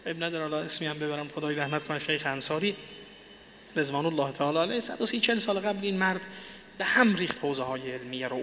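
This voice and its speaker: A man preaching a religious sermon to an audience, swinging between soft and loud and reciting poetry slowly. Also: fairly high pitch, long reverb tail, a little hiss or hum. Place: large lecture hall.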